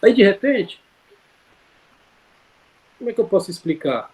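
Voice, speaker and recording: A man's voice: high-pitched, sing-song, unhurried, a little mellow. A man telling a personal story in casual conversation, rambling with many fillers and self-corrections, heard over a video call. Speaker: interview guest.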